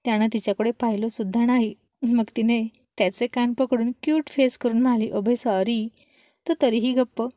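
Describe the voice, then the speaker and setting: A woman storyteller narrating a love story in an expressive read-aloud manner. Her voice sits fairly high and is mellow. The recording is dry and close. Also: a little fast, dry recording.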